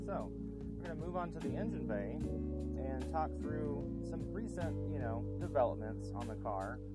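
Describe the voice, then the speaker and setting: A man at a fairly slow pace with long, frequent pauses, dry sound with no echo, and loud music in the background. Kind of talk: casual vlog chat. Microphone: handheld.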